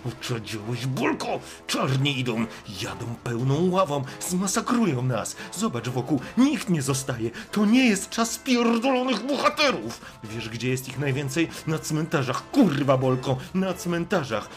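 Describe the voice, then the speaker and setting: A man's voice: a little high, sing-song, a little slow, few pauses, soft background music, pitched above the performer's own voice. Man doing a panicked, swearing soldier. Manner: urgent, hissing, heavy swearing. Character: panicked male squad leader, crude soldier.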